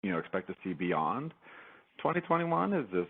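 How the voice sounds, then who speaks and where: Deep-voiced analyst on the phone. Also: male voice, very animated, normal speed, vocal fry, slightly rough. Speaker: financial analyst asking questions. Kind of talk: conference call question. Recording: narrow tinny phone line.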